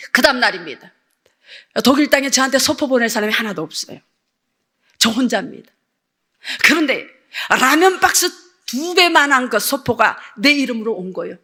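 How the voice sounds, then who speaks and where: Woman missionary preacher, middle-aged, high bright voice, dramatic storyteller. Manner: animated storytelling, acts out her own past voice. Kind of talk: testimony sermon. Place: church service with audience laughing.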